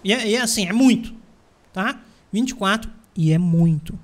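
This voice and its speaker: A man's voice: high-pitched, animated, normal speed. A man with a Brazilian Portuguese accent, talking casually to himself and his viewers while playing a strategy game, with bursts of exasperation. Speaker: gameplay streamer. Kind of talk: casual gameplay commentary.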